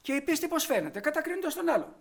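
A man preaching a sermon, fervent, rising to loud emphatic peaks. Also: extremely high pitch, big pitch swings, creaky.

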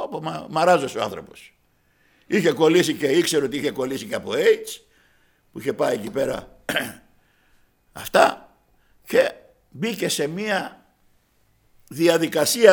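A male preacher with a high-pitched voice delivers a sermon as a story. He addresses the congregation as brothers and slips into the voices of the people he quotes. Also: vocal fry. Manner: acts out dialogue in quoted voices.

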